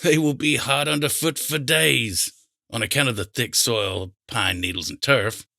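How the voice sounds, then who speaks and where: A man's voice: mid-range voice, normal speed, creaky, sharp tone, no room sound, clean studio sound, voice pushed up. A man voicing a cheerful, chatty neighbour in an audiobook, with a genial, folksy, old-fashioned way of talking. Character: cheerful, chatty male neighbour, an enthusiastic gardener. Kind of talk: audiobook character acting.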